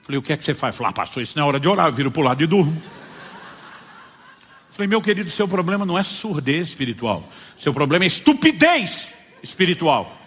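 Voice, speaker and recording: A man's voice: a little high, very fast, long pauses, husky, in a large hall. A Brazilian man preaching as a pastor, telling stories and acting out the dialogues in them. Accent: Brazilian Portuguese. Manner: animated storyteller acting out dialogues. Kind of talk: sermon with storytelling.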